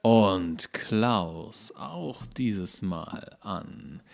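A man's voice: on the low side, lively intonation, drawn-out words, gravelly. A man co-hosting a podcast in casual comedic banter, teasing with wry remarks. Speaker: podcast co-host.

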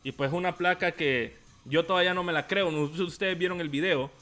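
A man's voice: a little high, a little fast, sharp tone. A young man with a Salvadoran Spanish accent, casually reading viewer chat aloud on a tech livestream, laughing often. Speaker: tech YouTuber. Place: small room indoors.

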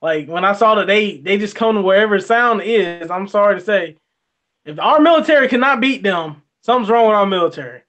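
A young man co-hosting a movie review chat, talking in an animated, colloquial way and laughing often. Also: sits high, a little fast. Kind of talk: casual chat.

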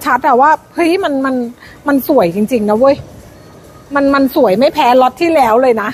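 High-pitched woman hyping a live sale. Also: moderate pace, slight background noise, poor audio. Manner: insistent, repeats phrases emphatically. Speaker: live-stream clothing seller. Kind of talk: fast hype live-sale pitch, casual. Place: shop front, camera moved toward outside.

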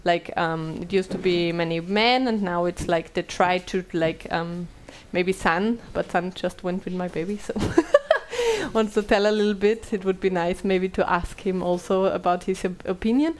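A woman's voice: fairly low pitch, animated, measured pace, hardly any pauses, a little hiss or hum. A woman in her thirties from Austria, speaking English, moderating a panel in a small room with many fillers and restarts. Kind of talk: conference panel talk. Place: small bright meeting room. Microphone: headset mic.

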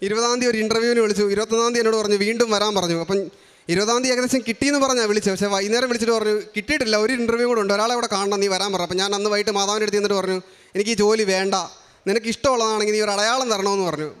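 A young man from Kerala giving an earnest, rushed personal religious testimony, often restarting his sentences. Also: high-pitched, steady tone, fairly bright tone, clear, resonant tone. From Kerala, India. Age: young adult. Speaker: testimony giver.

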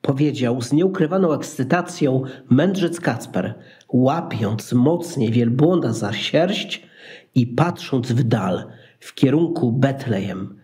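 Mellow, slow-paced male narrator. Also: mid-range voice, animated. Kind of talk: scripted storybook narration of a nativity play.

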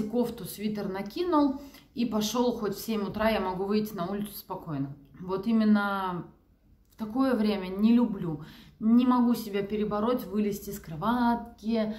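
A mother of young children in her thirties chats informally in a home vlog, talking both to the camera and to her toddler. Her mid-range voice is a little mellow. She moves through the living room and bedrooms indoors, and the rooms sound echoey.

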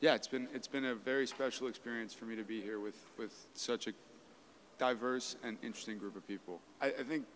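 A man's voice: mid-range voice, a little fast, fairly bright tone. A young man from Los Angeles talks at a booth mic in a mid-range voice, loose and easygoing, dotting his sentences with "like" and small repeats. A faint hum from the event sits under him. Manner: casual, frequent "like" and repeats. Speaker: youth advisory committee guest. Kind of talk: casual radio interview. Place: open pop-up radio booth at an event. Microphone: table mic on a stand with headphones.

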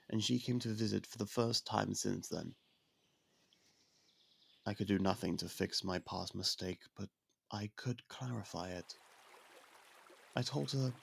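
A man playing a curious, persuasive young prince as a suitor in an ASMR roleplay, speaking softly and confidingly. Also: on the low side, gravelly, a little hiss or hum. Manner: soft-spoken, confiding, with some hushed whispers. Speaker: voice actor.

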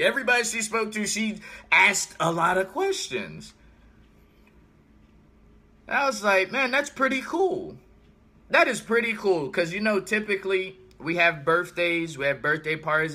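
An American man in his thirties chatting casually on a livestream, thinking out loud and telling stories with animated, emphatic repetition. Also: high voice, breathy edge. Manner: animated storytelling, repeats himself for emphasis. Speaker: vlogger. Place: small room indoors.

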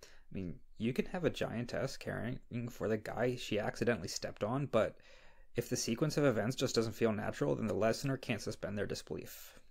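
A man playing a shy, flustered, insecure young scriptwriter in an intimate ASMR roleplay, speaking hesitantly with a husky, creaky voice. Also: fairly low pitch, darkish tone. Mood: bashful, processing. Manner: hesitant, halting. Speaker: audio roleplay performer. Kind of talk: ASMR roleplay, intimate one-sided dialogue.

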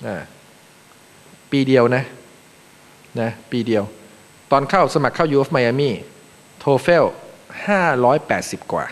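A Thai man from Thailand, a panel speaker giving a joking, animated seminar talk in a large conference room. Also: medium pitch, slow pace, long pauses. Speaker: panel speaker, acting vice president. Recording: long reverb of a large hall.

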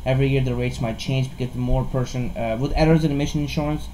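A man giving an informal explainer as a presenter, speaking haltingly and often repeating words and restarting. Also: mid-range voice, steady tone, background noise. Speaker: insurance broker presenting a tutorial. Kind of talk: informal screen-share explainer.

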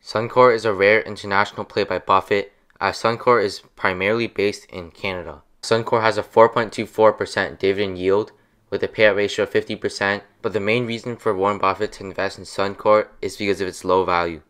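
A young adult man giving a steady, scripted voice-over that explains stock picks. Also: lowish voice, a little fast, clear, resonant tone. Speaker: finance channel narrator.

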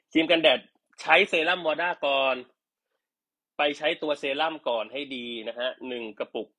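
Guy selling skincare on a live stream, joking around, bright forceful voice, mid pitch. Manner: joking, teasing, chatty. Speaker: live-stream product seller. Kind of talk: casual live-stream sales chat.

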